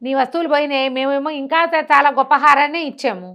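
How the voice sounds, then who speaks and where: A woman's voice: sits high, quick pace, fairly bright tone, pitched above the performer's own voice. A woman storyteller voicing a suspicious, grumbling man who scolds his friend with indignant questions.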